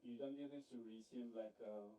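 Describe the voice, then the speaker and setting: A man interjecting informally from the audience at a conference, picked up quietly from away from the microphone. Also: mid-range voice, fairly even intonation, fairly quick. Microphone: far from the microphone. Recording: distant, echoey room pickup, quiet.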